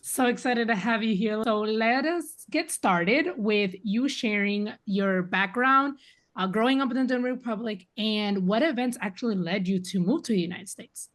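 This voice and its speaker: A woman's voice: medium pitch, normal speed. A woman hosting a podcast interview, friendly and affirming, often rephrasing her questions. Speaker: podcast host. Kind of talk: casual interview.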